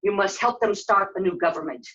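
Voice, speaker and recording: Puppet-show father figure, noble knight, gentle, measured, reassuring, played by a woman; dull live sound. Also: medium pitch, far from the mic, lightly acted. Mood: earnest.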